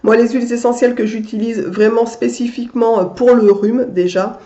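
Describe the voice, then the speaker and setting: A woman's voice: on the high side, steady tone, moderate pace, dark tone. Woman vlogger, stuffed-up cold voice, chatty and hesitant, roomy echo. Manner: chatty, many fillers and restarts. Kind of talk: casual chat to camera. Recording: echoey room, dull lo-fi sound.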